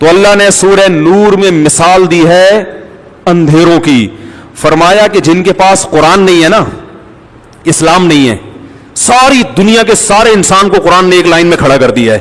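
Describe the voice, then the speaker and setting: A man's high voice, very even in loudness, with ordinary pitch variation and noticeable background noise. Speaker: Islamic scholar. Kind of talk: religious lecture.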